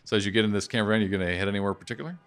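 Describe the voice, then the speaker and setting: A man's voice: lowish voice, racing, smooth. A middle-aged man improvising narration as game master of a casual tabletop game, prompting his players in an informal, easygoing way.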